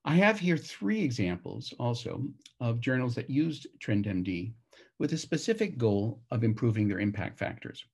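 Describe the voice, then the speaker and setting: Gravelly, husky man presenting slides. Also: mid-range voice, very animated, normal speed, darkish tone. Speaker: conference session presenter.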